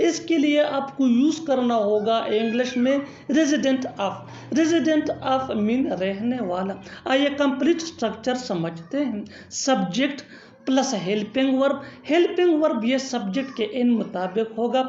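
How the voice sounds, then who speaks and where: A woman narrating a scripted English lesson, slowly and deliberately, repeating each example sentence twice. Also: a little high, darkish tone. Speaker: English teacher. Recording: roomy, slightly dull recording.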